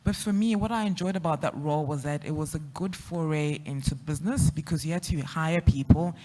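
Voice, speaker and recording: A woman with a South African accent, an outgoing panelist sharing her career journey with quick laughs. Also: low-pitched. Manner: extroverted, lively, quick to laugh. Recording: echoey hall.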